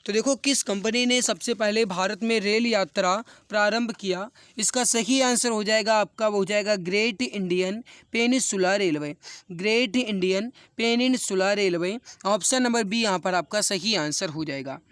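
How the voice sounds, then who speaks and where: Male exam tutor, sore throat. High, smooth voice, dry close sound. Earnest and encouraging, repeats every question. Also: moderate pace, a bit bright, no echo. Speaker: exam-prep teacher. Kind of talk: online exam practice class.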